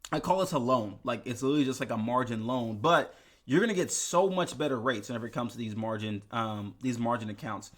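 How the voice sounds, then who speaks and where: A man's voice: mid-range voice, lively intonation, brisk, a bit bright. A young man chatting casually in an investing vlog, tired from little sleep and talking in a rambling way with many restarts. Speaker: finance YouTuber.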